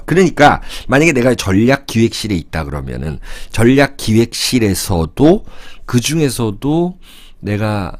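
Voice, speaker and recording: A man in his fifties lecturing in a casual, conversational way about fortune-telling charts, thinking aloud and asking rhetorical questions as he sketches. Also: on the low side.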